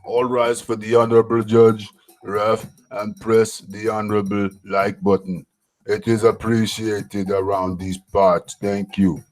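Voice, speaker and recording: A man hosting a live boxing chat stream at an unhurried pace, his voice bright and forceful. He repeats his phrases and jokes with his viewers, with faint music playing underneath. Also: lowish voice. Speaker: boxing talk show host.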